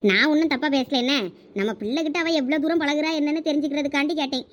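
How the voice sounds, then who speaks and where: A woman's voice: high-pitched, fast, natural voice. A woman playing a suspicious Thoothukudi village mother. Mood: insistent. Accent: Thoothukudi Tamil. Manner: pleading, justifying herself. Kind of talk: village comedy skit acting.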